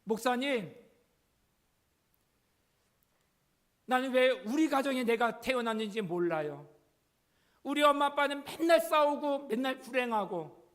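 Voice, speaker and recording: A tearful teenage boy pours out his misery in a high, strained plea, as a preacher puts him on. The voice climbs well above an ordinary man's register and pushes loud with each complaint. It is a retold scene inside a sermon, not a staged drama. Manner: pleading, raised voice.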